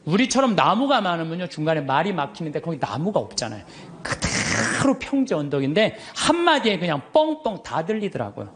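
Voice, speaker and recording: A middle-aged man, a Catholic priest, telling stories in a lively sermon, acting out the voices of others and laughing as he goes. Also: on the high side, fairly quick. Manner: animated, acts out quoted voices, laughs often.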